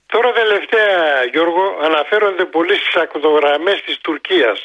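An older man calling in to a radio show, questioning and suspicious, repeating his points. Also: fairly high pitch. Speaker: caller. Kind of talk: call-in radio talk. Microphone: telephone line. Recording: dull phone-line call.

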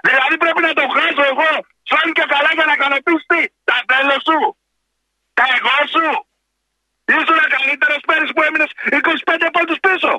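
A very high-pitched man with a sharp, cutting voice rants down the line at a sports phone-in, agitated and confrontational. His words come in rapid-fire bursts. The sound is dry and close. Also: steady tone, no room sound, rough recording. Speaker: radio show caller. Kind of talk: heated phone-in rant on football.

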